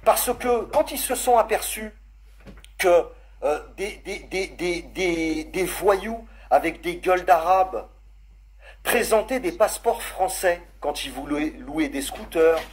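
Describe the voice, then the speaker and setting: A man's voice: high-pitched, animated, takes it slowly. A man hosting a live stream, speaking casually and sarcastically as he holds forth to his listeners. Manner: sarcastic, holding forth, calling listeners "brother". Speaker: livestream host.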